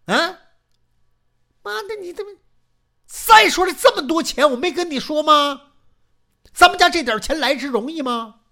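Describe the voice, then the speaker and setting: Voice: medium pitch, sing-song, moderate pace, bright, forceful tone, exaggerated voice. A storyteller voicing a greedy, lecherous old father-in-law who bullies and swears. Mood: bullying. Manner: coarse, bullying, swearing.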